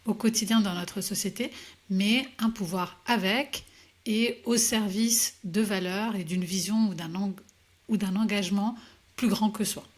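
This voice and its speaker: Woman interview guest, mid pitch, halting, reflective, story of her work. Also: steady tone. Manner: hesitant, many fillers and restarts, reflective storytelling. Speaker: executive coach, podcast guest. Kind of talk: conversational interview answers.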